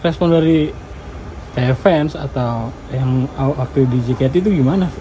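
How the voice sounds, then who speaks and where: A man's voice: mid-range voice, normal speed, background noise. A man interviewing a guest with short, casual prompting questions. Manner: brief prompting questions, frequent hums.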